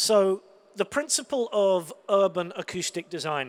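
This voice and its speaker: The British-accented man sounds dry and close, with no echo. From UK. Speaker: acoustics consultant. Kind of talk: conference presentation. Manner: hesitant, many fillers.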